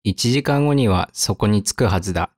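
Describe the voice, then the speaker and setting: A man teaching vocabulary, saying each word and example sentence twice, slowly and carefully, then giving its meaning. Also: lowish voice, animated, a little mellow, no room sound, clean studio sound. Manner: slow, careful enunciation with repetition. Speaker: Japanese teacher.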